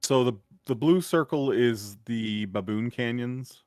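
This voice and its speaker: A man acting as game master on a streamed tabletop game, explaining with many pauses and fillers. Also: medium pitch, darkish tone, a little hiss or hum. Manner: hesitant, filler-heavy explaining.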